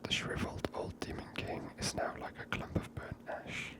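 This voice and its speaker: A host whispering an ASMR game commentary in a hushed, unhurried way, musing aloud close to the microphone. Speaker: gaming video host.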